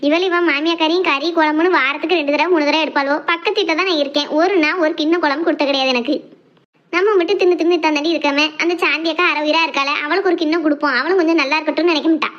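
A woman voicing a gossipy, quarrelsome village neighbor in a cartoon, speaking in quick, complaining banter. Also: high-pitched, fairly even intonation, a bit bright, pitched above the performer's own voice. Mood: grumbling. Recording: dull lo-fi audio.

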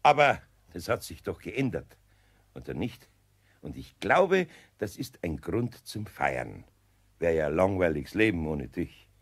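A man playing a patient, kindly older master craftsman with a Bavarian accent in a children's audio drama, gravelly and homely. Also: low-pitched, sing-song, measured pace, full character voice. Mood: fond. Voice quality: gravelly, husky. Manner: good-natured, indulgent, homely.

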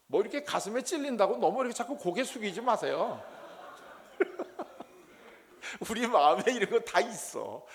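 A man giving a lecture on pastoral counseling. He asks the class questions and acts out scolding voices. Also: sits high.

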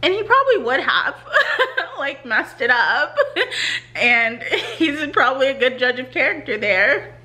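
A woman's voice: high voice, very animated, measured pace. Chatty woman vlogging from her couch. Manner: chatty and candid, with soft nervous laughs. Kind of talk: casual vlog chat. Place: living room at home, seated on a couch. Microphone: camera in front, close framing.

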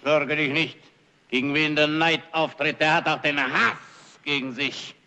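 An actor playing a stern, solemn spirit of hatred who speaks in a measured way. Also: male voice, a little high, steady tone, pushed and bright, full character voice. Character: grim spirit of hatred, brother of envy, stern.

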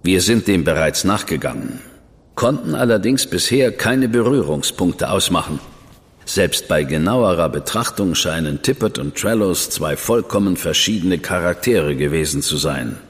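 Casting: a very deep, stern, proper official, reverb with faint music. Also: male voice, expressive, moderate pace. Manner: formal, stern. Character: stern, proper government man, older brother figure. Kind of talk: German audio drama acting.

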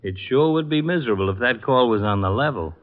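An actor playing a worried homicide lieutenant in a 1940s radio drama, speaking in a terse, businesslike way. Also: male voice, mid-range voice, animated, fast talker, natural voice. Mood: uneasy. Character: gruff, worried male homicide police lieutenant. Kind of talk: 1940s radio detective acting. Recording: muffled old radio transcription.

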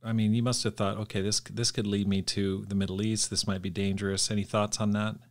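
A man's voice: on the low side, little pitch movement, fairly quick. A man hosting a podcast, asking questions in an enthusiastic, curious way. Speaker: podcast host. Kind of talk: interview questions.

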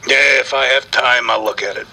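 An actor voicing a grumpy, touchy black cat celebrity with a raspy voice, griping and wisecracking in slangy style in a comic audio interview. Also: male voice, medium pitch, moderate pace, bright, forceful tone, low-quality recording. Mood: sardonic griping. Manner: brash, slangy, sardonic showbiz griping.

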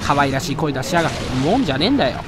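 A man giving excitable live gameplay commentary, loudly taunting and grumbling at the monster he is fighting. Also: on the high side, racing. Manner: excitable, trash-talks the monster with rough taunts. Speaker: let's play commentator. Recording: loud game music behind voice. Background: game music.

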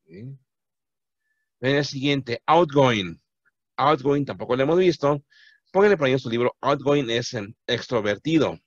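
A man's voice: mid-range voice, expressive, unhurried, pauses often, no echo, muffled recording. A man teaching an English class to Spanish-speaking students, patiently repeating words to drill their pronunciation.

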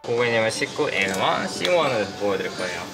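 Young guy beauty consultant talking thru a mask, polite, lively pitch, music behind. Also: fairly quick, creaky. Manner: polite customer-service speech. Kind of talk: explaining to a customer in person. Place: small indoor beauty consultation booth.

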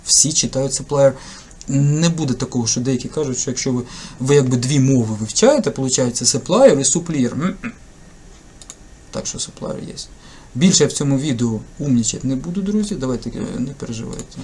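A male English tutor, a native Ukrainian speaker, talks through test items in a lively, joking way. His voice sits in a middle pitch. A faint hiss runs under the desk-mic recording. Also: fast talker. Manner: lively, chatty, jokey teacher's explaining. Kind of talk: casual screen-recorded lesson commentary.

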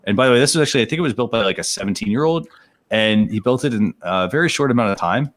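A man's voice: mid-range voice, expressive, racing. A man hosting a casual live-streamed talk show over a video call, rambling and leaning hard on "you know" fillers.

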